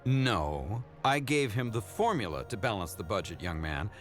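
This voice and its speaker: A man's voice: on the low side, very animated, moderate pace, soft background music. A man voicing an arrogant, aloof genius scientist in a motion comic, smug, precise and condescending.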